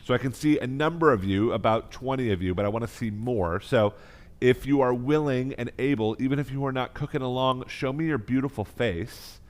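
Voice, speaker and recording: A man's voice: medium pitch, brisk. An American man hosting a live online cooking class as chef instructor, speaking with effusive, emphatic enthusiasm. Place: kitchen.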